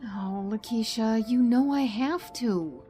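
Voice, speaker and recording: An actress playing a caring, principled doctor in an audio drama, earnest and gently firm. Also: female voice, fairly high pitch, slow, soft background music. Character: caring, principled woman doctor, torn by duty.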